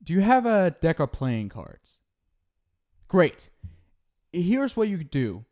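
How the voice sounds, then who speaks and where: A man's voice: high-pitched, sing-song, slow, darkish tone, full character voice. A man playing an exasperated ghost soulmate. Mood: sheepish fumbling. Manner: scolding, exasperated, swears a lot; flustered, stumbling restarts when explaining. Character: exasperated male ghost soulmate back from the afterlife. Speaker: ASMR roleplay performer. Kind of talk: ASMR roleplay.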